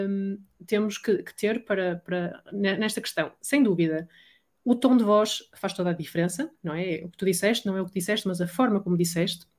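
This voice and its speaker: A woman with a European Portuguese accent, a voice coach explaining techniques in an energetic, chatty podcast conversation. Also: medium pitch. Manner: energetic, explanatory, acts out quoted dialogue. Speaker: voice coach guest. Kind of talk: casual podcast chat.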